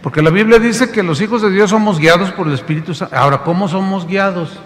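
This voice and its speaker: A pastor with a high, ringing voice, preaching and storytelling with animated energy, speaking straight to his congregation. His voice carries with a long reverb through a church hall, over a faint background hiss. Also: fast talker. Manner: animated, addressing the congregation directly. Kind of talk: sermon with storytelling.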